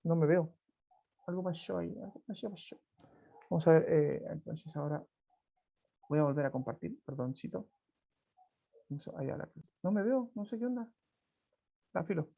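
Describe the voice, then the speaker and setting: A man's voice: fairly high pitch, moderate pace, gravelly, long pauses. A Chilean male teacher reading and explaining a folk tale in an online class, chatty, full of tag questions and restarts. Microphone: video call. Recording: dull lo-fi video call audio.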